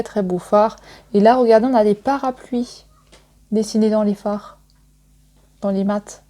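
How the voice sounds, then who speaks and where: A woman's voice: medium pitch, warm tone. A woman casually showing makeup palettes in a haul video, talking in a chatty way full of little fillers. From France. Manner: chatty, frequent "hein" and "donc voilà" fillers. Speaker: beauty vlogger.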